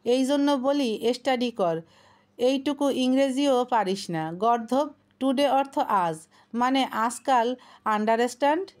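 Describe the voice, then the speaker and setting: Cocky young female pickpocket boss, bossy, broken English, high voice, woman narrator. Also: takes it slowly, a little mellow.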